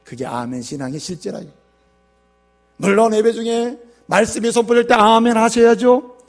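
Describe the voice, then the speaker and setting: Male pastor, high voice, church sermon, asks the congregation questions. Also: normal speed. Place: church sanctuary.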